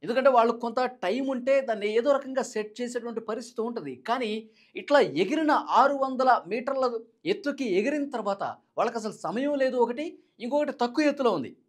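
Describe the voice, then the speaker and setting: Husky voice, Telugu news presenter, medium pitch, dramatic and emphatic, explanatory commentary, repeats key points.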